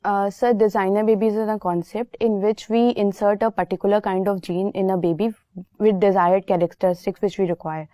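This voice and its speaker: A woman's voice: medium pitch, steady tone, fairly quick, mellow, no echo, studio quality. A young woman in her twenties with an Indian English accent, answering an interview panel politely, with many fillers and "sir". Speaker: interview candidate. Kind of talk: formal mock interview answers.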